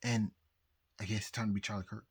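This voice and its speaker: A very drunk man rambling casually to viewers, halting and repeating himself as he loses his thread. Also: on the low side, level tone, slightly rough. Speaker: amateur astrologer vlogger.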